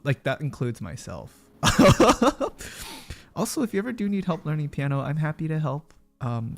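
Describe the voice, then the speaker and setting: Stream host, casual chat, chatty, encouraging, mid-pitched voice, faint music behind. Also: gravelly. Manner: chatty and encouraging, many fillers and laughs.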